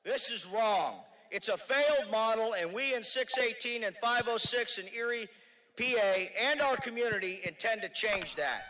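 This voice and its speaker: A man speaking for his union at an outdoor rally, shouting emphatic, repeated slogans. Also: high-pitched, moderate pace, low-quality recording. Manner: chanting slogans, emphatic repetition. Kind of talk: shouted political rally speech.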